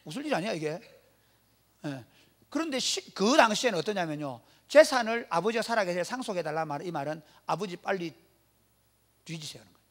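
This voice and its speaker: A man's voice: sits high, animated, brisk, long pauses, fairly bright tone. A male pastor preaching a sermon, blunt and emphatic, often asking the congregation rhetorical questions. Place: church.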